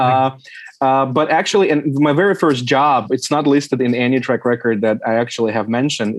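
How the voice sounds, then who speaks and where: A man speaks with a Russian accent at a fairly quick pace. His pitch is medium, with ordinary variation. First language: German. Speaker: logistics and e-commerce expert. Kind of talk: casual interview discussion. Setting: video call.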